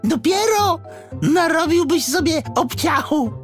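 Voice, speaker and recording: A man's voice: very high-pitched, lively intonation, slow, soft background music, voice pushed up, full character voice. A man voicing a cheeky, gossipy little rodent in a children's audiobook. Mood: gleeful, mocking. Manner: gossipy, cackling. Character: cheeky, food-obsessed little male pocket rodent.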